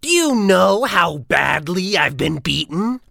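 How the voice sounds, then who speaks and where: An actor voicing a big, bossy, greedy male wolf in a children's cartoon story, gruff and threatening. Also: medium pitch, big pitch swings, slow, pushed and bright, dry recording, studio quality, exaggerated voice. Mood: bossy threat. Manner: gruff, threatening, gobbling and boasting.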